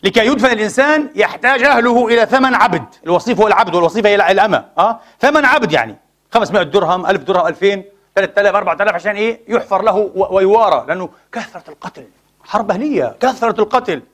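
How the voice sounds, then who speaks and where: A male preacher from Palestine delivers an impassioned sermon in a mosque. His voice sits high and he talks quickly, moving between casual everyday speech and formal phrasing. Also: lively intonation, a bit bright. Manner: impassioned, mixes colloquial Arabic with formal speech. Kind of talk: Friday sermon.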